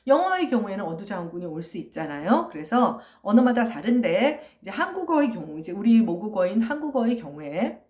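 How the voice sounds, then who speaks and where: A woman lecturer talks through her material in a patient, explanatory way. She fills pauses with short hesitations and keeps asking her students whether they follow. Her voice moves animatedly up and down and rings in a reverberant room. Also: medium pitch, darkish tone. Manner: explanatory, frequent fillers and tag questions. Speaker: university lecturer. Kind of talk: recorded phonology lecture. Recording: echoey room.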